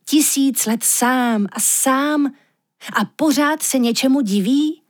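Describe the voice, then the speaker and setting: A woman voicing an anxious male magic reindeer who talks in a slangy, pleading way, with a husky voice. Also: high voice, voice pushed up. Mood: urgent, pleading.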